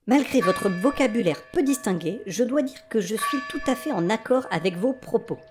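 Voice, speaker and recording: Woman playing a prudish devout churchgoer, formal and disapproving, lively high voice. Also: moderate pace, music in the background, close to an everyday voice. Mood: prim disapproval. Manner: formal, prudish and stiffly polite.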